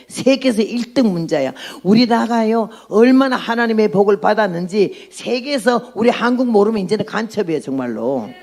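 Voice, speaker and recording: An elderly woman in her nineties preaches with blunt, outspoken energy, mixing testimony into her sermon and pausing to quiz her listeners. Her voice is gravelly and rough. She laughs at her own bold remarks as she goes. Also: medium pitch, a little mellow. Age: 90s. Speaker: missionary preacher.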